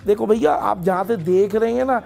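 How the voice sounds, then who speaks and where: High, gravelly-voiced man hosting a TV call-in. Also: soft background music. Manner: thanks callers and blesses them warmly; stumbles over foreign place names. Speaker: TV call-in host. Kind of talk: live call-in chat, explaining on air.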